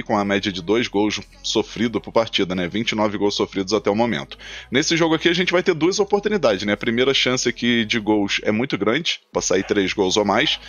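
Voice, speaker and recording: Fast-talking Brazilian man giving betting tips. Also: mid-range voice, no echo, highs cut off. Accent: Brazilian Portuguese. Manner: frequent tag questions, steady rundown of stats and picks. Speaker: football betting tipster. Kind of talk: casual match-preview commentary. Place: small indoor room.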